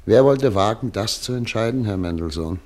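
A man acting in a German radio play as a weary, dignified émigré doctor, grave, deliberate and melancholy. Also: fairly low pitch, lively intonation, darkish tone, lightly acted. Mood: grave, resolute.

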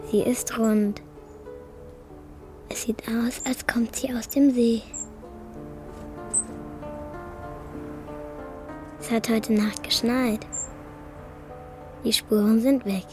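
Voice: mid-range voice, fairly even intonation, slow, pauses often, a little mellow, faint music behind, natural voice. A performer playing a curious, insistent young boy in a radio play, speaking in short, simple, wondering phrases.

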